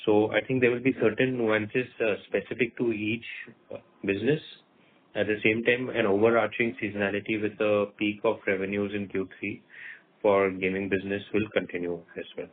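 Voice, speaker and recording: A man with a fairly low voice speaks as an executive running an earnings call. His explanations are spontaneous and businesslike, heard through a thin telephone connection. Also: level tone, a little fast. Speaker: company executive leading the call. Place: conference call. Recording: narrowband phone-call audio.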